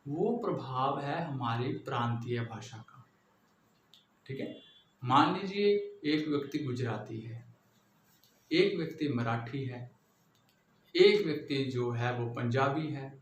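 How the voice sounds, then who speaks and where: A man's voice: mid-range voice, lively intonation, takes it slowly, long pauses. Patient Punjabi-accented male lecturer, echoey room. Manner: patient, repetitive, often checks in with the listener. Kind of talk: explanatory classroom lecture. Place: classroom with a board. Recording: echoey room, faint background noise.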